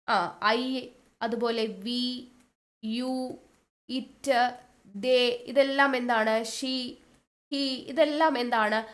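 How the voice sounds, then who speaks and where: A woman teaching an exam-prep grammar lesson, asking questions and answering them herself, repeating each term slowly. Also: high-pitched.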